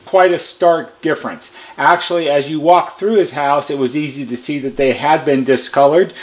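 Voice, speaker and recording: Higher-pitched American man, casual demonstration. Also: normal speed. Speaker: repair shop technician presenting a how-to video. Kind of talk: casual product demonstration talk.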